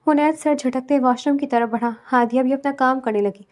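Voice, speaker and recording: A woman reading a romantic novel aloud as a storyteller, in a steady, even style. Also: high voice, a little fast. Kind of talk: scripted novel narration.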